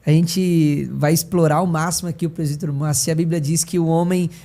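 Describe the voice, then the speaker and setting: A Brazilian Portuguese-accented man hosting a live church show, with a slightly raised pitch and a dark, mellow tone. He reads viewer comments aloud warmly and keeps the program moving. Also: steady tone, fairly quick.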